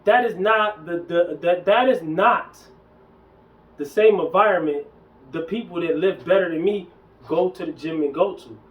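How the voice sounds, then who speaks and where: A man's voice: sits high, normal speed, far from the mic, phone-quality sound. A man in his early forties delivering an emphatic, slangy rant to camera about gym culture and lifting, repeating himself for emphasis. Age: 40s. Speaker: fitness vlogger. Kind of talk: casual ranting monologue.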